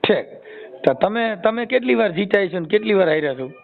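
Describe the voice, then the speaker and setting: Man, Saurashtra Gujarati accent, rapid casual questioner with a teasing streak, heard over a narrow phone line. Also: sits high, expressive, gravelly. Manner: teasing, colloquial, repeats and rephrases answers. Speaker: host mediating a family dispute by phone. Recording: tinny, narrow phone-call audio.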